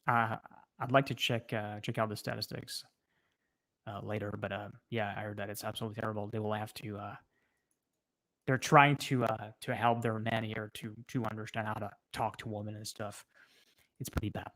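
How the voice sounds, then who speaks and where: A man with a French accent, a native French speaker, chatting casually on a livestream and answering viewers in a halting way, often pausing mid-sentence. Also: lowish voice, flat delivery, a bit bright. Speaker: livestream host.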